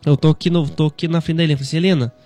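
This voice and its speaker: Brazilian guy in his 30s doing a chill radio devotional, kinda high voice, keeps saying né, soft music underneath. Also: steady tone, rapid-fire, dry recording. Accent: Brazilian Portuguese. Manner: conversational, frequent "né" tags, gentle preaching.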